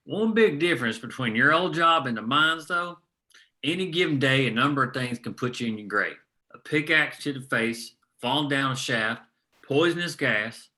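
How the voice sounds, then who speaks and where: A man playing a gruff, world-weary, foul-mouthed veteran coal miner in a screenplay table read, with a sardonic, folksy delivery. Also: medium pitch, animated, moderate pace, pushed and bright. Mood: grim warning.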